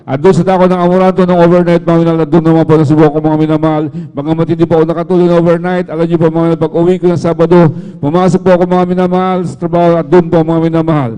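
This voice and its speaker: A man's voice: on the high side, flat delivery, very fast, warm tone, clear, resonant tone, big-room sound. A man with a Filipino accent giving a spoken testimony at a church prayer service, addressing the congregation as "beloved" between nearly every phrase.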